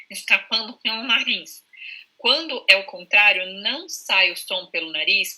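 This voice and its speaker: Over a video call with poor audio, a woman with a Brazilian Portuguese accent and a medium-pitched, bright, forceful voice gives explanatory interview answers. She is a speech-language therapist, patiently explaining speech and sounding out examples.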